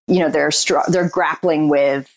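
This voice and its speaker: A woman guest, a writer and performer, talking candidly and reflectively in a casual interview, often pausing on "like" and "you know.". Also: deep voice, steady tone. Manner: describes herself as shy and introverted.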